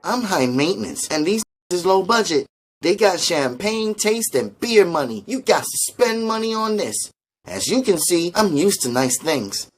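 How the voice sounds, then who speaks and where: Sassy teasing young woman done by a guy reading the book, way higher pitched, bouncy, kinda distant sounding. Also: very animated, measured pace, heavily acted. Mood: teasing sass. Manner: teasing, sharp-tongued. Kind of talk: audiobook character voice.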